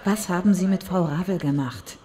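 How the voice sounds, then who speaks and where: A woman's voice: on the low side, animated, normal speed, dark tone, close to an everyday voice. An actress playing a determined female police inspector in an audio drama, curt, demanding and no-nonsense. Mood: stern, impatient.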